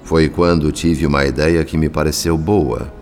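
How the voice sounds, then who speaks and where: Narrador brasileiro solene, voz grave. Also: male voice, a bass voice, fairly even intonation, darkish tone, soft background music. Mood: pensive. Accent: Brazilian. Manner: measured, literary, solemn. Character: grave, thoughtful male spirit narrator observing human families. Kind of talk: scripted radio drama narration.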